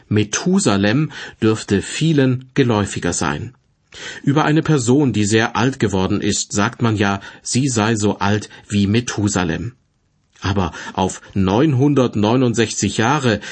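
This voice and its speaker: A man with a slightly husky voice reads a scripted Bible teaching in a measured, formal, didactic manner. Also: lowish voice. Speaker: Bible teacher presenting a devotional broadcast. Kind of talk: scripted sermon-like narration, read aloud.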